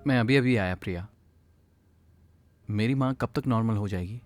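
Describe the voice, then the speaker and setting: An actor playing a quiet, polite man talking with his mother's doctor. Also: on the low side, moderate pace, over music, natural voice. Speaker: patient's son. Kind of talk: film dialogue.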